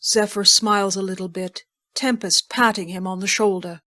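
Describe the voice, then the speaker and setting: A woman reading scripted narration for an audio drama in a measured, descriptive storytelling manner. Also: medium pitch, fairly even intonation, pushed and bright.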